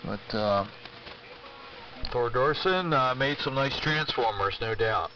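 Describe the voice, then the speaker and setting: A man's voice: medium pitch, slow. A man chatting casually as an amateur radio operator over shortwave AM, hesitant and rambling as he thinks aloud. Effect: shortwave AM radio transmission. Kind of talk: casual ham radio chat. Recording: noisy, muffled, distant shortwave radio signal.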